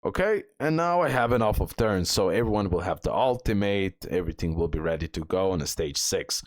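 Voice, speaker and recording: Man, low voice, casual game guide commentary, repetitive, checks in with listener, very dry sound. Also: expressive, a little fast, no room sound. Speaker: video game guide host.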